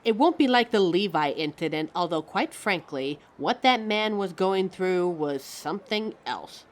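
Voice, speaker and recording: A woman's voice: fairly low pitch, animated, unhurried, slight background noise. A woman playing a vain, easily offended talking fashion mannequin in a scripted audio roleplay, theatrical, condescending and fussy. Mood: gossipy, amused. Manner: theatrical, condescending, fussy, calls listeners darling.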